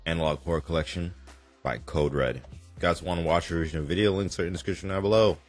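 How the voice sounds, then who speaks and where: A man hosting a reaction video, commenting casually in an animated, rambling and emphatic way. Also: sits low, fast, faint music behind.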